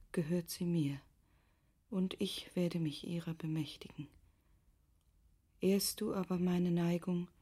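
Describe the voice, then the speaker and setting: A woman playing a grave noblewoman in a literary radio drama, reading intimate letters aloud in a measured, hushed way. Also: on the low side, husky.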